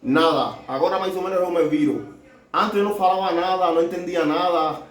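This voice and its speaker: A man with a Cuban Spanish accent telling his story as a doctor, halting often and mixing Spanish with Portuguese. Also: sits high. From Cuba. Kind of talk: casual storytelling. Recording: echoey room, mic at a distance.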